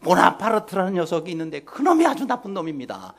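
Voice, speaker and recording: A man's voice: sits high, sing-song, fast talker, creaky, exaggerated voice. A man voicing a frightened young male soldier who pleads and stammers before his ruler. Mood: pleading.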